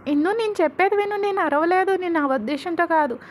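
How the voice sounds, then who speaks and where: A woman doing a young wife, high voice, talking back hard and indignant. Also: fairly quick. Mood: defensive. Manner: pleading, indignant. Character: young woman Diya, defiant wife and stepmother.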